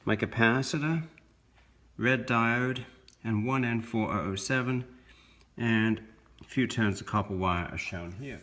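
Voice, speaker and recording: A man with a slightly low voice narrates a hands-on electronics demonstration. He speaks as a science video presenter, explaining in short, measured phrases with a halting flow.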